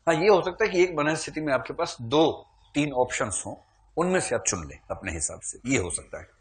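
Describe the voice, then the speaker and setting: A man's voice: fairly high pitch, animated, a little fast. A man teaching a classroom lecture in a conversational way, mixing humorous asides with explanation and checking in with his students.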